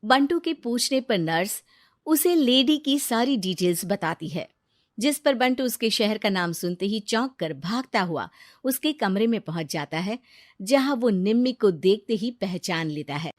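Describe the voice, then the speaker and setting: A woman narrating a children's moral story in a steady, scripted storytelling manner. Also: mid-range voice, unhurried, no room sound, clean studio sound.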